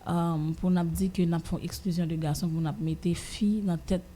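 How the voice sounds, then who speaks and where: A woman with a Haitian accent giving her opinion in a casual radio discussion, haltingly, often repeating phrases as she searches for words. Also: lowish voice, fairly even intonation, mellow.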